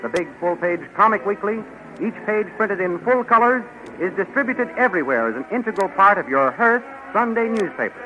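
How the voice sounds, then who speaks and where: A man announcing and narrating a 1930s radio adventure serial in a crisp, declamatory manner. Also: sits high, expressive, fairly quick. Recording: muffled old 1930s radio recording.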